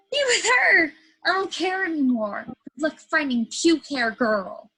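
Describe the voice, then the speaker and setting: A woman's voice: extremely high pitch, bright, forceful tone, full character voice, poor audio. A woman playing a fed-up, whiny young wife in a comedy sketch. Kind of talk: comedy sketch staged reading.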